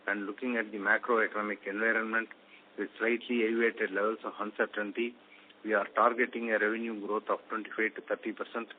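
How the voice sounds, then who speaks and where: A man with an Indian accent delivering prepared business remarks as a company chairman on a conference call. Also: lowish voice. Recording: narrow, noisy phone conference line.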